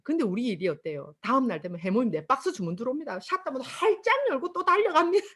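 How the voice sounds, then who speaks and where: Middle-aged woman, Busan dialect, seminar testimonial, lively acted-out storytelling, bright-ish higher voice. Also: fast, slightly rough. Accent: Busan Gyeongsang dialect. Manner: animated storytelling with acted-out quotes. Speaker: motivational speaker at a sales seminar. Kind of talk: testimonial speech to an audience.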